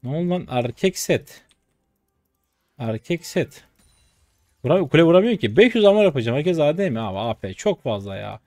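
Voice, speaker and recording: Animated young man commenting on his game. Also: normal speed, pauses often, no room sound, studio quality, faint music behind. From Turkey. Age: 20s. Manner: chatty and excitable, slangy trash talk with bursts of high-pitched shouting. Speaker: game streamer. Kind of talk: live gameplay commentary.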